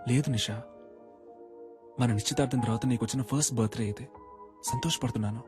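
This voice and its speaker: A man playing a soft-spoken pleading young doctor. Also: medium pitch, quick pace, close to an everyday voice. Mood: subdued. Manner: pleading, placating. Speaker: doctor Saleem, calm fiancé. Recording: film soundtrack with loud music and crowd.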